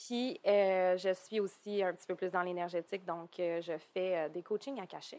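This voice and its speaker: A woman with a Quebec accent speaks at a fairly slow pace. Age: 20s. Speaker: human design and astrology coach. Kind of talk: casual chat.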